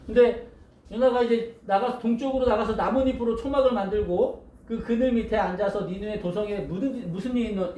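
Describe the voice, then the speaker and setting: A male pastor giving a storytelling sermon to children, animated and asking his listeners questions. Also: high voice, reverberant, slight background noise.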